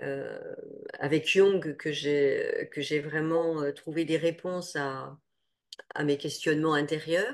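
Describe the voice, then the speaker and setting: A woman speaks at a very slow pace with long, frequent pauses, her very deep, low pitch held in fairly even intonation. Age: 70s. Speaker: meditation teacher and psychotherapist. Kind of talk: interview. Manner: halting.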